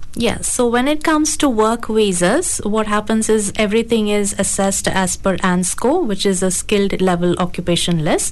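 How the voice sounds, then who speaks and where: A woman speaks in a fairly high pitch with hardly any pauses and very even loudness over noticeable background noise. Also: lively intonation, moderate pace. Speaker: immigration adviser. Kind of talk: interview.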